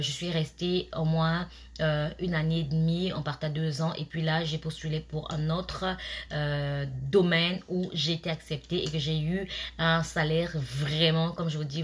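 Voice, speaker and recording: A woman's voice: deep voice, breathy edge. A woman in her thirties who moved to Canada, chatting to her viewers and giving job interview tips, with many fillers and restarts. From immigrant to Canada. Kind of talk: casual advice talk to camera.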